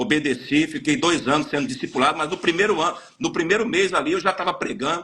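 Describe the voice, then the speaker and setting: Fairly quick and lively in intonation, a man speaks at a high pitch with a bright, sharp tone. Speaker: apostle giving testimony. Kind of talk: testimony.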